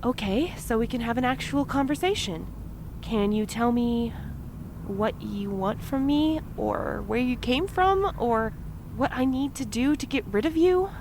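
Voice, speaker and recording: A woman's voice: on the high side, animated, unhurried, noisy background. An actress playing a guarded, exasperated and sarcastic woman in an audio drama, speaking bluntly. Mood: wary, irritated. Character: exasperated, guarded, sharp-tongued woman facing her double. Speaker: fiction podcast actor.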